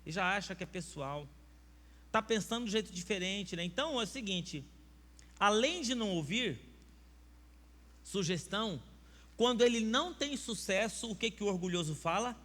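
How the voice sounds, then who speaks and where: A man's voice: sits high, animated, normal speed, pauses often, a bit bright. A man with a Brazilian Portuguese accent preaching a sermon as pastor, emphatic and firing rhetorical questions at the congregation. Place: church sanctuary. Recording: church hall reverb with faint mains hum.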